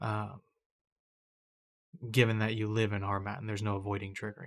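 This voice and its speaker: Fairly low in pitch, a man talks at a fairly quick pace in a monotone, flat intonation. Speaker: gaming video creator. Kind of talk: gameplay commentary. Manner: casual, hesitant with fillers.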